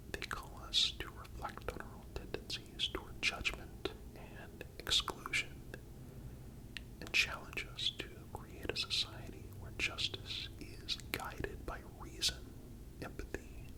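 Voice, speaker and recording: Casting: ASMR narrator, fully whispered, breathy, calm and deliberate scripted delivery. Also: extremely high pitch, low-quality recording. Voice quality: breathy unvoiced whisper throughout. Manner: calm, measured, deliberate phrasing. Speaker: narrator and channel host.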